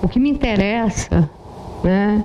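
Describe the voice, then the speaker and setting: Noticeable background noise runs behind this recording. A woman speaks at a fairly high pitch. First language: Polish (speaking Portuguese). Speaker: psychoanalyst. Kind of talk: lecture. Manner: halting.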